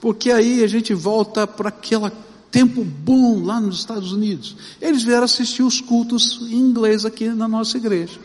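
High-voiced Brazilian pastor preaching emphatically. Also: male voice. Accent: Brazilian Portuguese. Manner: emphatic preaching with slow, drawn-out stresses. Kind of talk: sermon. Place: church sanctuary. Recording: long reverb of a large church.

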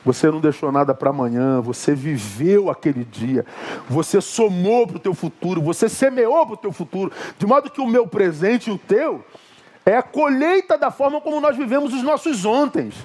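A man's voice: high-pitched, lively intonation, moderate pace, darkish tone. A man with a Brazilian Portuguese accent preaching a sermon as pastor, emphatic, with asides to the congregation.

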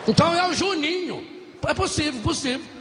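A man preaching a sermon, telling a funny story in an animated, playful way and acting out the characters. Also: very high-pitched, brisk. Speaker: pastor. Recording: echoey hall, faint background noise.

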